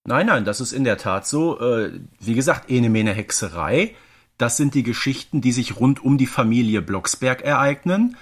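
A man from Germany's Ruhr area co-hosts a podcast, offering informative commentary in a chatty way with frequent question tags. His medium-pitched voice is expressive and at a normal speed.

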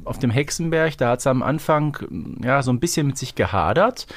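A man's voice: medium pitch, expressive, a little fast. A man co-hosting a podcast, talking colloquially and often adding tag questions. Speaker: podcast co-host. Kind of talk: casual podcast discussion.

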